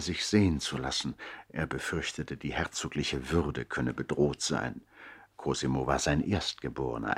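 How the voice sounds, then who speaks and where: A man narrating a 1960s German radio play in a measured, dramatic literary style. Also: a bass voice, fairly bright tone, husky.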